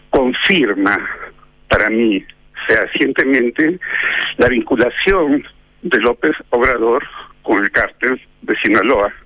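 A man's voice: medium pitch, sharp tone, rough recording. A man giving political commentary as a guest in a radio interview, arguing emphatically with ironic asides.

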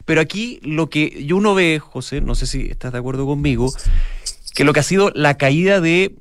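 A man's voice: a little high, expressive, normal speed, no echo. A man with a Chilean Spanish accent talks through the news on a morning radio show. His delivery rambles, with frequent restarts as he thinks aloud, and the sound is dry and close.

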